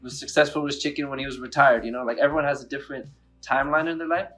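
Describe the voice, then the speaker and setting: A chatty, enthusiastic man in his late thirties hosts a casual interview. His pitch sits in a middle range, and he fills his talk with "like". Faint music plays in the background. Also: steady tone, racing, a bit bright. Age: 30s. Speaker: podcast host.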